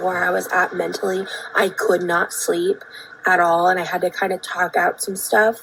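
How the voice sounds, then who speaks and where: A woman's raspy, put-on character voice at medium pitch and a moderate pace. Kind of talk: casual, talking things out. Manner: much slower pace than normal.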